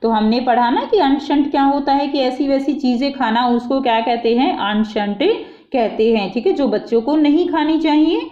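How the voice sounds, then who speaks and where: A woman's voice: high voice, normal speed, dark tone. A woman teaching a school worksheet, reading a passage aloud and then explaining it simply, calling her students "beta". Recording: echoey, dull lo-fi room.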